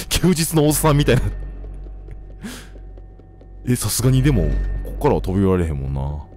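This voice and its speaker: A young man with a Kansai accent giving casual, joking commentary while playing a game, talking to the characters and shouting now and then. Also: mid-range voice, very animated, normal speed. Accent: Kansai Japanese. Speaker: gameplay commentator. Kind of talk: casual let's-play commentary. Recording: faint game music behind.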